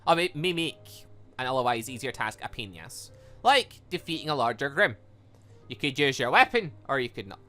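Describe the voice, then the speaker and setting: An animated man with a bright, forceful voice gives casual gaming commentary. He rambles, trails off and corrects himself. Faint music plays behind him. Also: medium pitch, a little fast. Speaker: gaming video host playing a visual novel. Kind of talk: casual let's-play commentary, reading game dialogue aloud.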